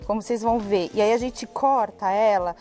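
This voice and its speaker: A woman's voice: mid-range voice, brisk, dark tone, soft background music. A woman in her thirties enthusiastically explaining cocoa products on a live TV cooking segment, recorded on a lapel mic in a studio. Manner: enthusiastic explaining, addresses viewers as "gente". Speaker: cooking guest presenting cocoa recipes. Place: TV studio set with kitchen table.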